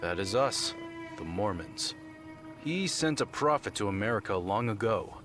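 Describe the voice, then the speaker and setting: A man's voice: on the low side, lively intonation, normal speed, music in the background, natural voice. A man playing a pious, formal Mormon trader in a video game, preaching as he sells. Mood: pious, solemn. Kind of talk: video game dialogue acting.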